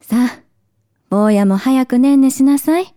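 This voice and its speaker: A woman voicing a gentle young human mother soothing her little boy in a storybook reading, soft and tender. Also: sits high, a little slow, no echo, clean studio sound.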